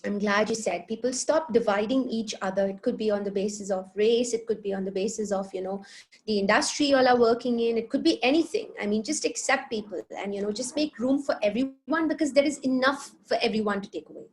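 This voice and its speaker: A woman's voice: a little high, a little fast, a little mellow. A woman from the United Arab Emirates hosting a conversational online interview, chatty and affirming toward her guest. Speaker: interview show host.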